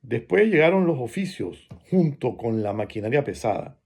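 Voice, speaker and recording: A man from Venezuela with a Venezuelan Spanish accent, giving a reflective spoken essay and pausing often between phrases. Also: medium pitch, big pitch swings, creaky, darkish tone, slightly rough.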